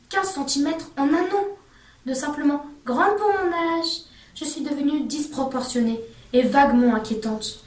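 Woman reading a novel in measured tones. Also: sits high, a little mellow. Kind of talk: first-person reading of a novel. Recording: roomy echo, distant mic, faint hum.

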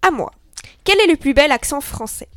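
High pitched girl cohost, teasing, matter of fact, dry recording. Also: animated, normal speed, fairly bright tone, dry recording. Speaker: co-host. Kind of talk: scripted debate show.

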